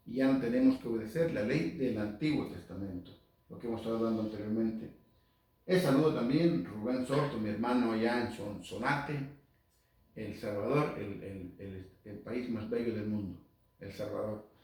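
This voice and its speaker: A man leads a Catholic Bible lesson for radio in a loose, conversational way, often repeating words and slowing down to read verses. His voice sounds distant from the microphone and carries heavy room echo. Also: lowish voice, a little mellow. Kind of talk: informal Bible study talk. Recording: very echoey room, distant mic.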